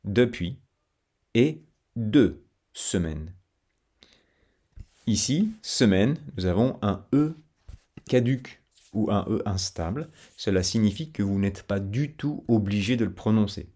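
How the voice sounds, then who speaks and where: A male pronunciation teacher speaks at an unhurried, deliberate pace, with a low, mellow voice. He breaks sentences into syllables and repeats each model phrase carefully so learners can follow. His tone is steady and instructive.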